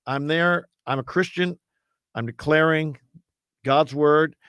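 A man with a loud, earnest preacher's voice, pitched a little above most men. He speaks as a guest on a radio talk show, emphatic and full of restarts. The recording is dry and close, with no room sound. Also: slow, clean tone, dry recording. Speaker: campus evangelist.

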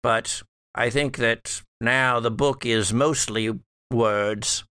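A man playing a wry, scheming, scholarly old ancestor back from death in a tabletop horror game, speaking haltingly and formally. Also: mid-range voice, fairly even intonation, bright, forceful tone, clean tone, dry recording, studio quality. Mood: pondering, scheming. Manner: halting, deliberate, formal phrasing. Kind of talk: improvised tabletop horror roleplay.

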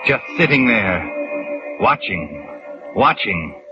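An actor playing an ominous, knowing storyteller, narrating old radio suspense in an insinuating, dramatic way. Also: male voice, lowish voice, sing-song, very slow, full character voice. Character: ominous, knowing male storyteller addressing the doomed woman. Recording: dull vintage radio recording. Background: dramatic music.

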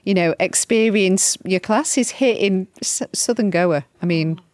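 A woman's voice: mid-range voice, a little slow, a little mellow. A woman hosting a podcast, chatting with a guest and closing the episode, effusive and grateful in manner. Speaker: podcast host. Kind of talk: casual interview and podcast outro.

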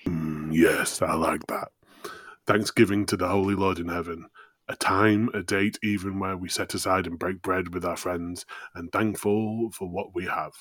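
A man's voice: low voice, a bit bright, slightly rough, dry recording. A man playing a pious Irish settler in colonial America, declaiming devoutly in an amateur comedy play. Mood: reverent.

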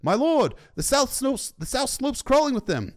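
A man's voice: very animated, moderate pace. A man voicing a panicked soldier who screams reports to his lord in a story reading. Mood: alarmed. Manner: shrill screaming.

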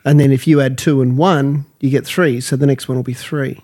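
A man's voice: mid-range voice, steady tone, a little fast, darkish tone. A man with a Queensland Australian accent in casual banter, blokey, joking and sweary.

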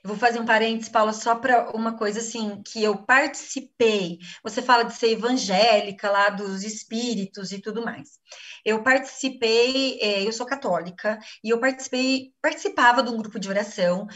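A woman's voice: fairly high pitch, a bit bright, recorded from a distance. A Brazilian woman giving an earnest personal testimony in a live class, acting out the things she once said. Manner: earnest, acts out her own quoted speech.

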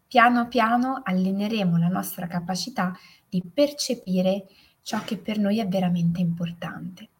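A woman hosting a guided reflection podcast who talks softly and often half-whispers. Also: mid-range voice, breathy edge. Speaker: podcast host.

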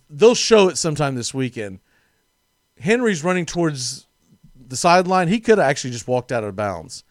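A man hosting a casual sports talk show, animated and jokey, laughing often as he talks. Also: fairly high pitch, no echo, clean studio sound.

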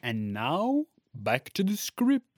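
Male podcast co-host, deeper morning voice, chatty, dry close mic. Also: takes it slowly, dry recording. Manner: relaxed, laughs easily, rambling asides. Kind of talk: casual podcast chat about theater.

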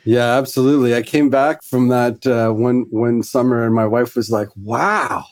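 A man's voice: mid-range voice, steady tone, moderate pace, darkish tone. A middle-aged man from Fiji, a podcast guest chatting casually and rambling with lots of fillers and restarts. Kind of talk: casual conversational interview.

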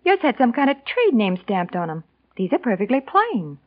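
An actress playing a brash, nosy young office secretary who talks in a breezy, blunt, slangy way, in 1940s radio acting style. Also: female voice, on the high side, sing-song, moderate pace. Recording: lo-fi old radio broadcast.

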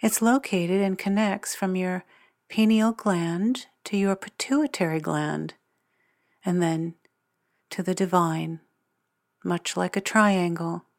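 A woman narrating a guided meditation as its guide, speaking in measured, deliberate phrases with long pauses. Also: on the low side, fairly even intonation.

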